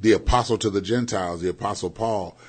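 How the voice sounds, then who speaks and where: A man co-hosting a Christian radio show, preaching fervently, building emphasis and slowing down on key phrases. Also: fairly low pitch, slight background noise. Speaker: co-host, preacher. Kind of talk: preaching in conversation. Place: radio studio.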